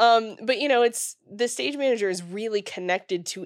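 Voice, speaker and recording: A woman with an ordinary speaking voice talks at a moderate pace with ordinary pitch variation on a very clean recording with a silent background. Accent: American. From Virginia. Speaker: stage manager and songwriter. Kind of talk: casual interview.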